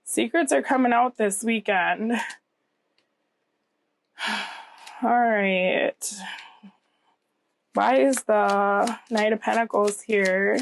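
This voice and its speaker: A woman's voice: mid-range voice, steady tone, extremely slow, creaky, long pauses. A woman with a cold giving a casual tarot reading, slightly scratchy and nasal, conversational and often checking in with the listener. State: getting over a cold. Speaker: tarot reader, channel host.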